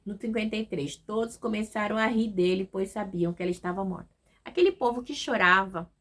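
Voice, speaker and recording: A woman with a mid-range, fairly bright voice and a Brazilian Portuguese accent leads a relaxed devotional Bible study. She reads scripture aloud and checks in with her listeners in a chatty, conversational way.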